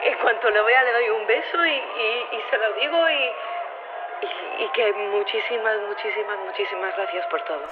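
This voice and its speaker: A woman's voice: mid-range voice, moderate pace, over a noisy crowd, lightly acted. A woman playing an overjoyed, emotional interviewee in an audio drama, gushing and repeating herself. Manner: gushing, breathless repetition. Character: emotional, overjoyed young woman celebrating a vote. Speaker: interviewee on a news bulletin. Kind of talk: audio drama news call. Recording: tinny phone line with noisy background.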